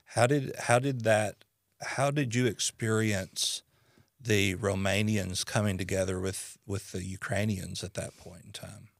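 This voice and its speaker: Low-voiced podcast host. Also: male voice, fairly even intonation, vocal fry, dry recording, studio quality. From Arkansas, United States. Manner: measured, halting with restarts. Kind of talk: conversational interview.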